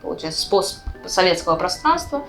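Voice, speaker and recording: A woman's voice: lowish voice, big pitch swings, a little fast, faint music behind. A woman in her twenties from Uzbekistan, speaking as a guest in a casual, conversational explanation, often checking in with her listener. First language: Russian. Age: 20s. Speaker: guest, vlogger.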